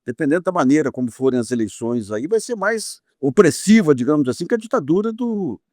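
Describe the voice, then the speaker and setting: A man with a Brazilian Portuguese accent commenting on politics in an animated way, often restarting and repeating words as he thinks. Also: a little high, fairly quick, no room sound, studio quality. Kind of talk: panel discussion.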